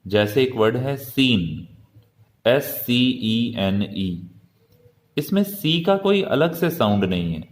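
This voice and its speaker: A man teaching an English lesson from India, speaking slowly and deliberately and spelling words out letter by letter. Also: medium pitch, big pitch swings, long reverb tail. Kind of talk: classroom lesson.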